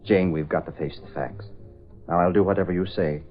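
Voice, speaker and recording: Actor as a low weary middle-aged shopkeeper, resigned, dull vintage radio sound. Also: male voice, steady tone, a little fast, faint music behind, close to an everyday voice. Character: despairing middle-aged male shop owner. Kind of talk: 1930s radio drama acting. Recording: muffled old radio recording.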